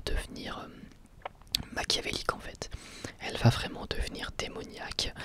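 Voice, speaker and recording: Whispering Frenchman, ASMR reviewer. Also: fairly bright tone. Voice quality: breathy, unvoiced whisper. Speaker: host of an anime review channel.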